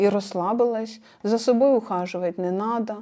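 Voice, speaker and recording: Fairly high in pitch, a woman's voice carries a dark, mellow tone with ordinary pitch variation. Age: 30s. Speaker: vedic astrologer. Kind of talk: vlog monologue to viewers.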